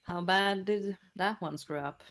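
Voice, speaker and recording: A dry, laconic male space pirate crewman, as a woman plays him in a tabletop game. He keeps his replies short and flat, in a mid-pitched voice. Soft music plays faintly in the background. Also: a little slow, natural voice.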